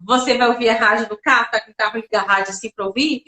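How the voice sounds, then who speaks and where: A woman's voice: a little high, fairly even intonation, very fast, bright, forceful tone, echoey room. A woman from Brazil hosting a casual interview, often chiming in with short agreeing replies. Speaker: interviewer host.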